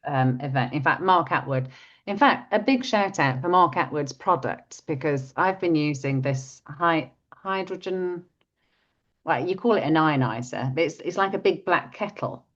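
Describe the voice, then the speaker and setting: A woman's voice: low voice, moderate pace, fairly bright tone. A woman whose first language is not English, chatting casually as co-host, with a frog in her throat and many restarts. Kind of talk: casual chat. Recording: dull lo-fi sound.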